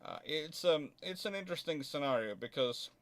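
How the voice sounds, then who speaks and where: A man hosting an unscripted explanatory question-and-answer talk, thinking aloud in halting stretches and sudden rushes as he works out his answers. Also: fairly high pitch, lively intonation. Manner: hesitant, thinking aloud, halting then rushing. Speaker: host answering viewer questions on naval history.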